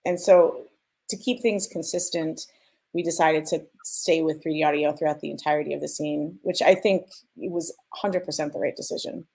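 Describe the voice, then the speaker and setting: A woman with a fairly low, gravelly-edged voice talks as a guest sound designer. She explains technical work conversationally, as if to colleagues on a panel, and sketches examples as she goes. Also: fairly even intonation, moderate pace, darkish tone, rough recording.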